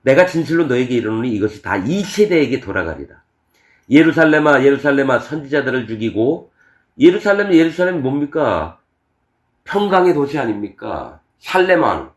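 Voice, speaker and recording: A male pastor preaching a sermon, animated, acting out scripture voices with laughs and shouts. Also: mid-range voice, normal speed, echoey room. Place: church.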